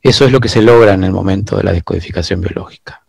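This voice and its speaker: A low-pitched man lectures patiently as an interview guest, his voice gravelly with fry. He is recorded close and dry, with no room sound. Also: no echo. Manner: measured, lecturing, with frequent rhetorical asides. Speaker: guest expert on biological decoding. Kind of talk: explanatory interview answers.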